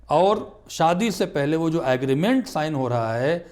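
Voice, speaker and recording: Earnest man explaining, slightly high voice. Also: expressive, a little mellow. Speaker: religious scholar guest. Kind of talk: studio talk show discussion.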